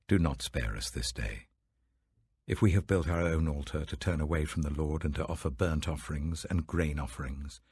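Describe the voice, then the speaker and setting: A man voicing an earnest tribal spokesman swearing innocence in a scripture reading, with fervent, emphatic, drawn-out pleading. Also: very deep voice, a little mellow, breathy edge, no echo, exaggerated voice.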